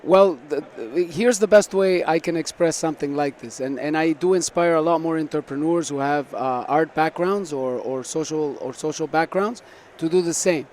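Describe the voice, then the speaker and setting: A man's voice: fairly high pitch, moderate pace, hardly any pauses, darkish tone. A man from South America giving earnest, explanatory answers as a startup founder in a conversational interview. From South America (Argentina and Venezuela), born in Canada. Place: busy tech conference floor. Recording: noisy busy event with background ambience.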